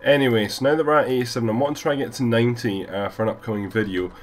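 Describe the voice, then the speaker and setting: A man with a deep voice and a cold, rambling casually through a gameplay voiceover with many fillers. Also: fairly even intonation, rapid-fire. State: has a cold, stuffy. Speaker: gaming YouTuber.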